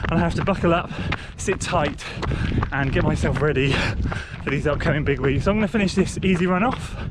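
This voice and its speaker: Male runner-vlogger, chatty and upbeat, outdoor trail recording with noticeable background noise, slightly higher voice. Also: fairly quick. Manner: upbeat, chatty, matter-of-fact. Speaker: running vlogger. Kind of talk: casual vlog talk to camera.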